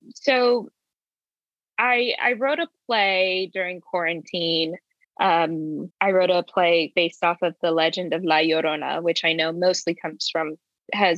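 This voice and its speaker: A woman talks at a fairly slow pace in an American accent, with a fairly low pitch. Hers is an unremarkable speaking voice. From Virginia, US. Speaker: actor and playwright. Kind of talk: casual interview.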